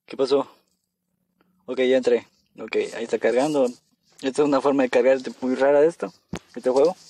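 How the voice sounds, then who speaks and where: A man's voice: medium pitch, steady tone, brisk, dark tone, dry recording. A man casually commenting as he plays a horror game on his phone, nervous, talking to himself and repeating phrases when scared. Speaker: gamer playing on a phone.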